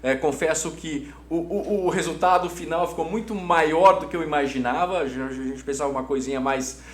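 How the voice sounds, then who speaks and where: A man's voice: fairly high pitch, a little fast. A middle-aged Brazilian man answering conversationally as an interview guest, enthusiastic and emphatic, often repeating his words. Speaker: interview guest, hotel business executive. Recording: roomy echo, audible background hum.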